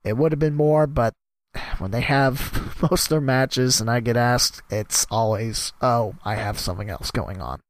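A man's voice: medium pitch, a little slow, no echo. A man hosting his own podcast, rambling casually and joking at his own expense, his voice worn from a cough. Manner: rambling, self-deprecating, jumps between topics. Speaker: podcast host and sports announcer. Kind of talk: casual solo podcast monologue.

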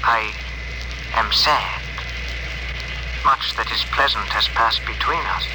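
An actor playing a gentle alien ship's communicator who speaks in stiff, oddly formal phrases, in a 1950s radio drama. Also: male voice, on the low side, takes it slowly. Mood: solemn. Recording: hissy old radio broadcast.

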